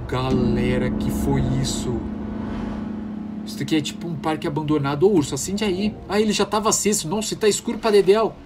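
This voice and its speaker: A man's voice: on the high side, fairly even intonation, fairly quick, very noisy. A man with a Brazilian accent commentating on a horror game, panicky and easily startled. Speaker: gamer.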